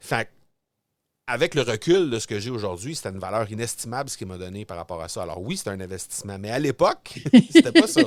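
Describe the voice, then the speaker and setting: A man with a Quebec accent talks at a very fast pace in a medium pitch, his tone animated and his intonation lively. Loudness swings widely, and the recording is very clean with a silent background. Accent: Québécois French. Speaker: podcast coach and entrepreneur. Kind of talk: interview conversation. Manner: animated, hesitant with repetitions.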